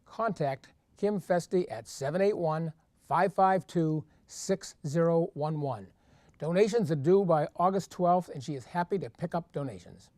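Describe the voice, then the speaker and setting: A male local news anchor reads from a script in a high-pitched voice. His tone is soft-edged and mellow, with a dry studio sound free of echo.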